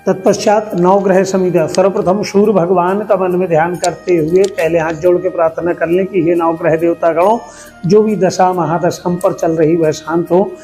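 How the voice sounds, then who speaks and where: A man leading a home fire ritual as priest, giving plain step-by-step instructions between slow, drawn-out chants. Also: sits high, level tone, warm tone, soft background music.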